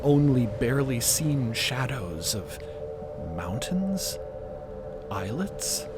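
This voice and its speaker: A man narrates a story with deliberate, dramatic phrasing. His pace is slow and his mid-pitched voice moves freely up and down, over loud music. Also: sing-song.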